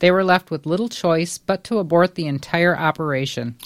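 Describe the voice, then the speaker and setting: This woman has a plain, everyday voice, fairly low in pitch with ordinary pitch variation, speaking at a fairly quick pace in a dry, close sound with no echo and a very clean recording with a silent background. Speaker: paranormal quiz show panelist. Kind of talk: reading aloud.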